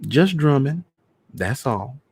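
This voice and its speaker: A man's voice: medium pitch, lively intonation, slow, darkish tone, husky, dry recording, pitched above the performer's own voice, full character voice. A man voicing a feisty, proud middle-aged mother who talks in a sassy, plain-spoken, colloquial way. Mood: defensive.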